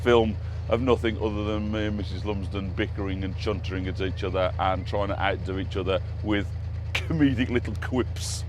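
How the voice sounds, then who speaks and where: A man's voice: lowish voice, fairly even intonation, moderate pace. A man with an English accent chatting casually and jokily as he narrates a boat trip. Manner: jokey, bantering. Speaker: narrowboat vlogger. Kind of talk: casual chat, commentary while cruising. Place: outdoors on a narrowboat on a canal. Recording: outdoor recording with loud boat engine hum. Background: engine hum, outdoor noise.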